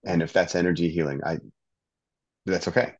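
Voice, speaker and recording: A man with a very deep, low voice hosts a podcast conversation. He sounds open and encouraging, often backing his guest with quick affirmations, and the audio is somewhat dull and lo-fi. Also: fairly even intonation, a little mellow. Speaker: podcast host.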